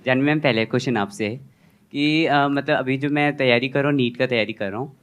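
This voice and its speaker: A young man stands up in the audience to ask a question in a mid-range voice. He is a student and hesitates often, filling pauses as he searches for words. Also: medium pitch, fairly bright tone, smooth. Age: young adult. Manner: hesitant, many fillers.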